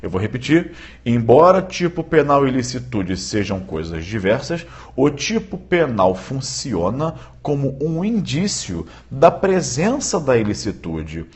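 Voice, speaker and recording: A man giving a live-streamed law lecture, often checking in with viewers and repeating key points slowly for emphasis. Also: medium pitch, very animated, a little mellow. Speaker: law teacher.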